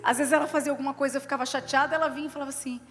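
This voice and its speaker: A woman with a Brazilian Portuguese accent preaches a sermon in a high, bright voice. She reads scripture aloud, then explains it with stories from her own family. Her voice rings through a reverberant church hall with soft music behind it. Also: fairly even intonation, very fast. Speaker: bishop preaching.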